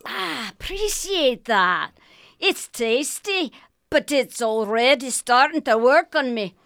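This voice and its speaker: Brief: woman playing a cheeky Scottish lady in a radio sketch, high and singsong, slow broad brogue. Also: animated, fairly bright tone, no room sound, clean studio sound, full character voice. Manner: exaggerated brogue, Scots words, teasing. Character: brash Scottish woman hanging around a radio station. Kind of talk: radio comedy sketch acting.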